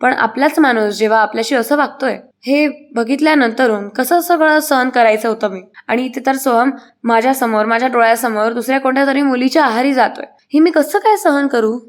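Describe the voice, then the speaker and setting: A woman's voice: high voice, brisk, few pauses, close to an everyday voice. A woman reading the lines of a tearful young wife who complains and pleads, in a plain reading voice. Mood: tearful complaint. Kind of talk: reading a serial recap aloud.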